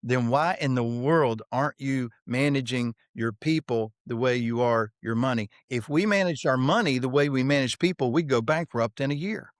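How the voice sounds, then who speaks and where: A man speaking as a podcast guest, with a medium pitch and a storyteller's emphatic delivery. He leans on rhetorical questions to land his points. The sound is dry and close, with no room echo. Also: normal speed, hardly any pauses. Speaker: podcast guest, author on leadership development. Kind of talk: conversational podcast interview, storytelling.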